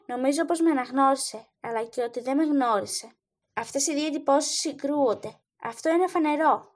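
Woman reading loyal knight thinking out loud, mutters, high voice, storybook. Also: close to an everyday voice. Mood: pondering. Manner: musing, muttering to himself. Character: loyal grown knight, gentle and worried.

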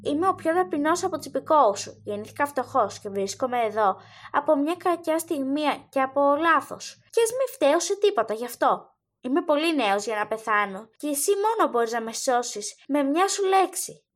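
A woman's voice: high voice, expressive. A woman voicing a frightened poor boy mistaken for a prince, speaking in a timid, pleading, raised voice.

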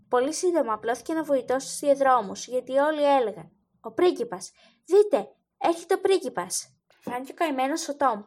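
A woman reading a story aloud as narrator, in a steady storytelling manner. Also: high voice. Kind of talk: audiobook narration.

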